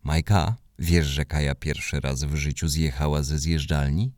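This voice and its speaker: A man's voice: unhurried, no echo, clean studio sound. A man voicing a joyful mother praising her little daughter in a storybook reading. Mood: grateful. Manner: excited, high-pitched praise.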